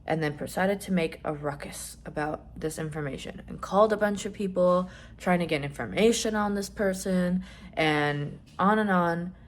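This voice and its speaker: A young trans man chatting casually in a vlog, rambling with lots of fillers and some swearing, his voice rising when he gets excited. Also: moderate pace. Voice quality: voice still fairly high, rising when excited. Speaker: vlogger.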